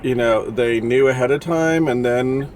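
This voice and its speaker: A man's voice: mid-range voice, measured pace, darkish tone. Congested man chatting casually to camera. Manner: rambling, chatty, many fillers. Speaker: first grade teacher vlogger. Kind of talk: casual vlog chat to camera. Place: classroom, then inside a car. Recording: faint road noise.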